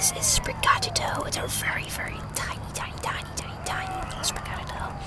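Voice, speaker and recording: Someone whispers at a fairly quick pace. Music plays in the background. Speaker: ASMR creator. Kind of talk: ASMR rambling show-and-tell. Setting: outdoors. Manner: whispered.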